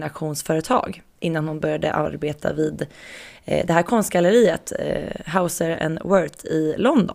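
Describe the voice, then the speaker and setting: At a moderate pace, a woman talks in a fairly low pitch with vocal fry and ordinary pitch variation. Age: 20s. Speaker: royal news podcast co-host. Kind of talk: casual chat.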